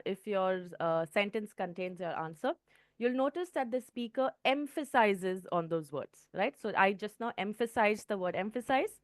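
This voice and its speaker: Woman trainer, clear teaching tone. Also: medium pitch, no room sound, studio quality. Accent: Indian English. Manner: clear teaching tone, frequent "okay" checks. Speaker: IELTS trainer. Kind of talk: online test-prep lesson.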